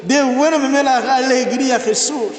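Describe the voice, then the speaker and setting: Speaking a little slowly in a very high-pitched voice, a non-native priest whose first language isn't Spanish delivers a healing-mass homily. His fervent invocations repeat and build into exclamations, echoing through the church with long reverb.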